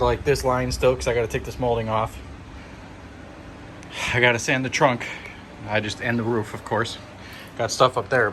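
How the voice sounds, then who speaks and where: A man's voice: medium pitch, a bit bright, a little hiss or hum. A young man, out of breath, casually walking through his car body work in a garage and proudly pointing out details. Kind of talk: casual walkaround video log. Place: garage or workshop beside a car.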